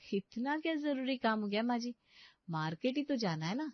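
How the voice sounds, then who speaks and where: A young daughter-in-law in an animated family story, played by a woman, suspicious and aggrieved. She speaks high and complaining. Dry, slightly dull sound. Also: normal speed, no room sound.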